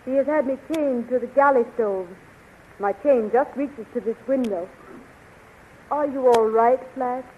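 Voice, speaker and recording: Actress as an anxious high-voiced young heroine, old radio. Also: female voice, unhurried, phone-quality sound, natural voice. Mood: urgent, pleading. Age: young adult. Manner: earnest, pleading. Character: anxious, loyal young woman held prisoner. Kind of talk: 1930s radio serial acting. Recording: scratchy, thin 1930s radio recording.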